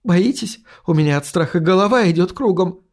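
Guy putting on a scared woman voice, breathless and high, audiobook. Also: moderate pace, a little mellow, close to an everyday voice. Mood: frightened. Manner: breathless, pleading, raised pitch. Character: frightened, near-hysterical woman, hospital official.

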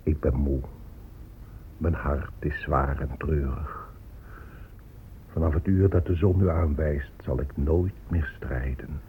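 An actor playing a grieving, weary Native American chief, solemn and declamatory, in a radio drama. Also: male voice. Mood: weary, mournful. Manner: slow, declamatory, mournful. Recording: muffled lo-fi tape with faint rumbling noise.

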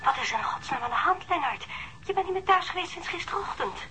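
A lonely, apologetic wife in a naturalistic radio drama. Her bright voice moves quickly, tender and pleading with small hesitations, over a faintly noisy recording. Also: very high voice, animated, full character voice. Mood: worried.

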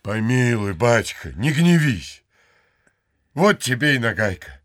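A slow, swooping young village blacksmith. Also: male voice, mid-range voice, big pitch swings, no echo, clean studio sound. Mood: pleading, humble. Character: brash young village blacksmith, mocking, then humbly pleading. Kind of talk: audio play acting.

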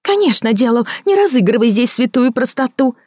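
A woman narrator voicing a bitter, jealous woman who speaks in a shrill, scornful, overwrought way. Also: very animated, brisk, darkish tone, slightly rough, dry recording, clean studio sound. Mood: accusing, scornful. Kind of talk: audiobook character voicing.

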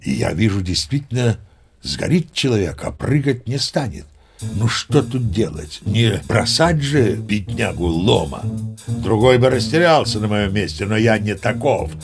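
A man's voice: lowish voice, expressive, unhurried, faint music behind. An actor playing a seasoned, boastful old sea captain who tells his yarns in a chatty, emphatic, theatrical way. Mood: self-assured. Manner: chatty, folksy, self-assured, emphatic. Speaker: narrator. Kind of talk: theatrical first-person storytelling, audio play.

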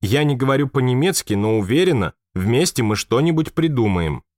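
A man voicing a polite, eager young upper-class Englishwoman, raising his pitch to sound girlish in an audiobook reading. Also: big pitch swings, brisk, darkish tone, dry recording, clean studio sound, lightly acted. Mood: polite, earnest.

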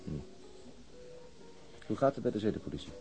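A subdued male policeman in a radio drama. His voice is deep and mellow, and he speaks in a hesitant, understated way. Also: sing-song, fairly quick, faint music behind. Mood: subdued, awkward. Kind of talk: Dutch radio crime drama dialogue.

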